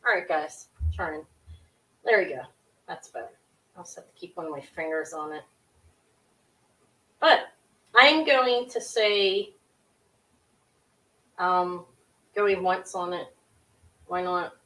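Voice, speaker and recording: A middle-aged woman with a sharp, high-pitched voice, hosting a live jewelry auction from her desk at home, chatty and scattered with lots of ums and quick restarts. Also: expressive, rough recording. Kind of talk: casual live-stream selling. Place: small home room with shelves of jewelry displays.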